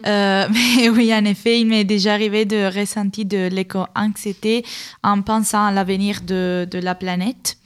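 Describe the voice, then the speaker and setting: A woman from Turin speaks French as a second language on a radio panel. Her speech is halting and full of fillers, with a mid-range pitch. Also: flat delivery, clean tone. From Turin, Italy. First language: Italian. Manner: hesitant, frequent fillers.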